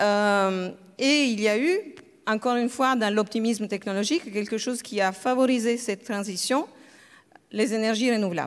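A woman at a moderate pace, fairly high in pitch with ordinary variation, in a very clean recording with a silent background. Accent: non-native. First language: not French (speaking French). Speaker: economics professor. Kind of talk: conference panel discussion. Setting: conference panel with audience.

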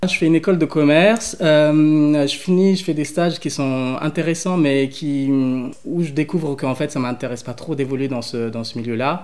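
Noticeable background noise sits under a man with an English accent who talks at a moderate pace with ordinary pitch variation. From grew up in Limoges, France, after arriving from an English-speaking country at 9-10. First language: English (speaking French). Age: 30s. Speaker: business development manager. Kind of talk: interview. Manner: energetic; hesitant with fillers.

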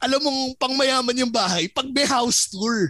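A man's extremely high-pitched, raised and projected voice with a bright, sharp tone. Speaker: comedy podcast co-host. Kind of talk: casual chat.

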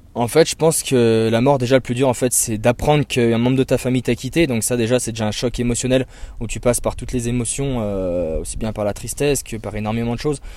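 A man at a fairly quick pace with fairly even intonation, amid noticeable background noise. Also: medium pitch for a man. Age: 20s. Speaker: childhood friend of host. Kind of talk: casual chat. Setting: outdoors in mountains.

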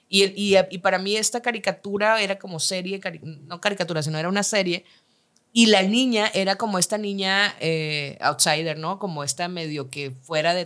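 A woman speaks at a moderate pace in an ordinary speaking voice, her pitch varying in the usual way. The recording is very clean, with a silent background. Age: 40s. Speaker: podcast moderator. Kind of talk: casual chat.

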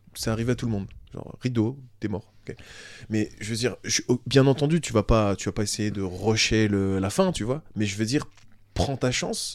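A man's medium-pitched voice at a moderate pace, with long, frequent pauses, on a very clean recording with a silent background. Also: ordinary pitch variation. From France, grew up in a housing estate. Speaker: adventurer, traveller. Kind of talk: casual chat.

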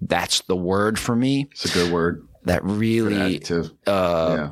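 A man speaks in a very deep, low pitch at a very slow pace, with hardly any pauses. His pitch varies in an ordinary way and his loudness stays very even. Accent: New York. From New York City, Upper East Side. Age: 40s. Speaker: wine importer. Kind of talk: casual chat.

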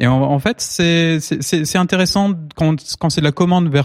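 With an ordinary speaking voice, a man talks at a fairly high pitch with ordinary pitch variation, the sound dry and close with no echo. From Alsace, France. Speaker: illustrator. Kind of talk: live podcast interview. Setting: stage with audience.

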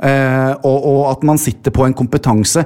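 A man's voice, medium in pitch, comes through with noticeable background noise. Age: 50s. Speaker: podcast co-host, fashion commentator. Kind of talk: casual chat.

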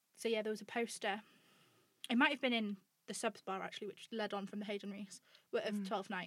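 In a North Welsh accent, a woman speaks at a very fast pace with a fairly high pitch. Her intonation is fairly even, broken by long, frequent pauses. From North Wales. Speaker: theatre maker and actor. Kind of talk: casual interview.

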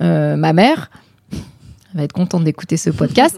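Her dark, mellow tone comes through as a dry, close sound with no echo. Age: 30s. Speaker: podcast guest, mother and former nurse. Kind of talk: casual chat. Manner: halting.

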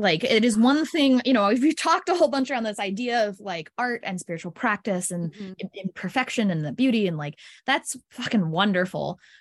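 Somewhat breathy speech with an American accent moves through very wide pitch swings, with hardly any pauses. The sound is dry and close with no echo, over a quiet background. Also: woman, fairly high pitch for a woman, fairly quick pace. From rural Appalachia, US. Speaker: photographer and artist. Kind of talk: interview conversation.

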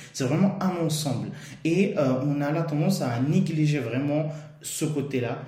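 A fairly high male voice at a fairly slow pace with ordinary pitch variation, amid audible room echo and noticeable background noise. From Morocco. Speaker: weight loss coach. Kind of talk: podcast monologue. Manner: halting, many repetitions and hesitations.

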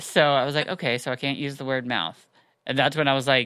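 Loud and at a moderate pace, a man speaks with a fairly high pitch and vocal fry. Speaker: podcast host. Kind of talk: casual chat. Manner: excitable.

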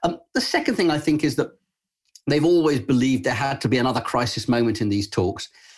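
Somewhat breathy, the voice rushes along at a very fast pace in a British accent. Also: man. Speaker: newspaper journalist. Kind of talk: interview.

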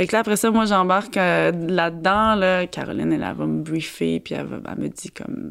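A woman with a Quebec accent at a moderate pace. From Quebec, Laurentides (rural). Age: 30s. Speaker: photographer. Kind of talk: interview conversation.

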